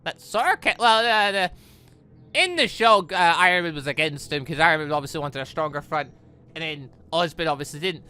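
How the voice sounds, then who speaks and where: Animated, bright-voiced man doing gaming commentary. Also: fairly high pitch, a little fast, smooth, soft background music. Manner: stammering, breaking off to comment. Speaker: gaming channel host. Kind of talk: let's play commentary, reading visual novel dialogue aloud and reacting.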